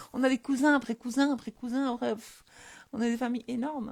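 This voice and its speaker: A woman's high-pitched voice at a moderate pace. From Albanian family, partly raised in the United States. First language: Albanian (speaking French). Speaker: life coach. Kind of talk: live stream chat with viewers. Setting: Instagram live. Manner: hesitant, many fillers.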